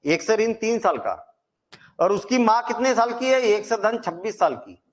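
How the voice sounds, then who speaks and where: A man's voice: high voice, expressive, normal speed. A man teaching a maths lesson, chatty and reassuring, asking questions and answering them himself.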